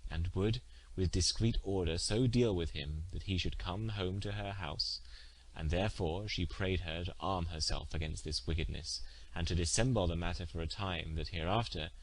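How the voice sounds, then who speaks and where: Low-voiced man narrating an old tale. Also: rough recording. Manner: formal, measured storytelling. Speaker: audiobook narrator.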